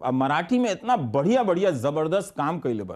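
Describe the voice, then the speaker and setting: A man speaks with very wide pitch swings. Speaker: journalist. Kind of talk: interview answer.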